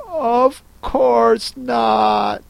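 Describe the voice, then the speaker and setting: A man putting on a polite, puzzled little girl who answers softly and carefully. The voice sits high above his own and drawls slowly. It sounds a touch away from the mic. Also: fairly even intonation, creaky, no echo, full character voice. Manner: polite, cautious, soft and slow.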